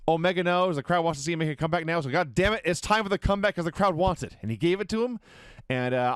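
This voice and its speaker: A man co-hosting a podcast, telling a wrestling match blow by blow in a lively, swearing, storytelling way. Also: medium pitch, clear, resonant tone, dry recording. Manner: animated storyteller, swearing, chuckling. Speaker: podcast co-host. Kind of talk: casual wrestling recap chat.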